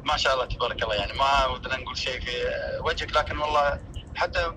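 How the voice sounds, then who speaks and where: A man, a former teacher on a phone call, speaking slowly and measured with many hesitations. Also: medium pitch, noisy background. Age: 50s.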